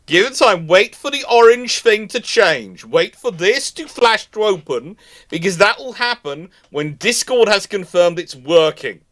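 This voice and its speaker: A man hosts a live Q&A. He talks off the cuff, wandering through long, halting explanations. His delivery breaks into exasperated asides. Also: high-pitched, lively intonation, fairly bright tone. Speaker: host of a live naval history question stream. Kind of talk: unscripted live commentary and Q&A.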